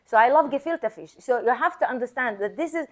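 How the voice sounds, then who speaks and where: A woman's voice: high-pitched, lively intonation, a little fast. A woman born and raised in Israel, speaking earnestly as a guest on a panel discussion and repeating phrases for emphasis. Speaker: guest, singer and activist.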